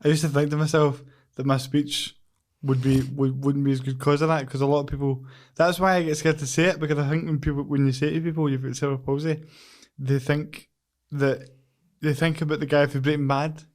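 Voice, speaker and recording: Higher-pitched Scottish man chatting. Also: level tone, brisk. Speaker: podcast host. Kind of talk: casual interview chat.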